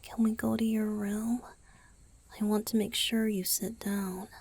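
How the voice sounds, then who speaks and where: A woman playing a gentle, doting young male vampire boyfriend in a romantic ASMR roleplay, speaking softly and tenderly, mostly in a breathy whisper. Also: mid-range voice, little pitch movement, unhurried, dry recording. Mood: caring, attentive. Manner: tender, attentive, softly reassuring.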